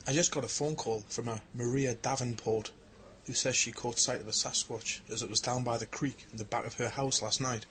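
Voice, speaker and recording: An actor playing an earnest young English anthropologist turned Sasquatch investigator in a radio drama, speaking politely with an English accent. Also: male voice, medium pitch, fairly even intonation, a little fast, a bit bright, a little hiss or hum, natural voice. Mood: earnest, hesitant. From England. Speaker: Bigfoot researcher and investigator.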